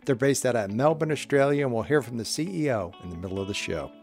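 A man's voice: mid-range voice, lively intonation. Upbeat man hosting a podcast, faint music. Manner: upbeat, joking, asks quick follow-ups. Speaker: podcast host. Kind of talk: casual interview.

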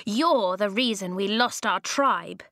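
A woman's voice: medium pitch, animated, a little slow, pushed and bright, dry recording, studio quality. A woman voicing a hostile young girl who speaks in a frosty, clipped, hateful tone. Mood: cold.

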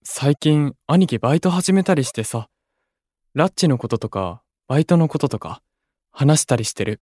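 A male actor playing a blunt, reserved but soft-hearted young idol with terse, casual speech in a Japanese voice drama. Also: fairly high pitch, lively intonation, normal speed, dry recording, clean studio sound. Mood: shy, grateful. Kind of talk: Japanese anime-style voice drama acting.

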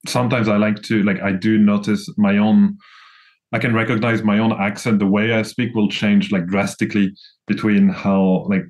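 A young Frenchman with a French accent chats casually as a guest, rambling with many restarts and fillers. His voice is fairly low with little pitch movement, and he talks at a moderate pace.

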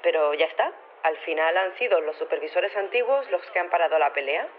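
A woman's voice: fairly low pitch, animated, fairly quick. A woman playing an unflappable robotics professor in an audio drama, heard through a telephone, rambling in a colloquial, understated way. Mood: matter-of-fact, unflappable. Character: female robotics professor, casual, matter-of-fact, unflappable. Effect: telephone filter. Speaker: phone interviewee. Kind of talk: acted phone interview in audio fiction. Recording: tinny phone line with clear background noise.

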